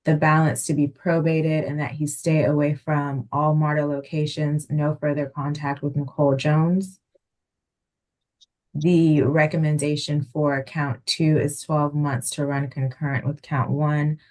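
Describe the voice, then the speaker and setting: A man speaking as a prosecutor in court, formally reciting plea terms in a flat, procedural manner. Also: on the high side, measured pace, rough recording.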